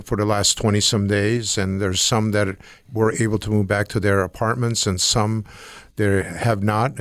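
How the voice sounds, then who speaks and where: Older Turkish-born man, low, dry voice. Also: no room sound. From Turkey. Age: 60s. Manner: earnest, rambling, with restarts. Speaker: guest, Rotary Club president. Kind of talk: radio interview.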